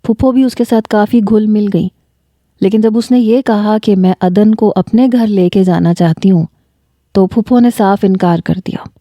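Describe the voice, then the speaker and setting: A woman narrating a first-person story in a steady, reflective way. Her voice is very dark and mellow. It is close on the mic and dry, with no room sound. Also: mid-range voice, no echo.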